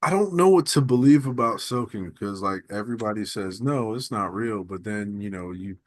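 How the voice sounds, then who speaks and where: Podcast guy, lowish voice, kinda unsure, dry close sound. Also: animated, moderate pace, no echo. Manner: hesitant, rambling musing. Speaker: podcast co-host. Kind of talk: casual chat.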